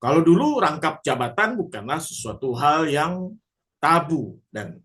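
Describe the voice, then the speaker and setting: A man lecturing on legal rules to an audience, explaining step by step, often pausing on a filler and restarting phrases. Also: a little high, sing-song, a bit bright. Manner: addresses audience formally. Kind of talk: spoken lecture.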